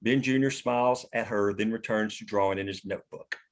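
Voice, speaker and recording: Guy with a lowish voice reading out screenplay directions, scripted narration. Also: steady tone, a little fast. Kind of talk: scripted narration at a table read.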